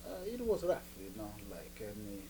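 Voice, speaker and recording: A man's voice: lowish voice, huge pitch swings, normal speed, mellow, low-quality recording. A man from Sudan, recounting his story plainly in an interview, often saying "you know.". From South Sudan. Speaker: refugee interviewee. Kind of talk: recorded interview testimony. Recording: audible electrical hum.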